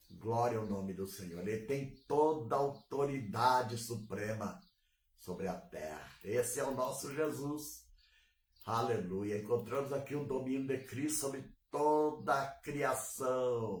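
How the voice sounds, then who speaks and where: Amid audible room echo, a man with a medium pitch and an animated, somewhat breathy tone speaks at a fairly slow pace with ordinary pitch variation. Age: 60s. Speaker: pastor. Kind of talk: sermon.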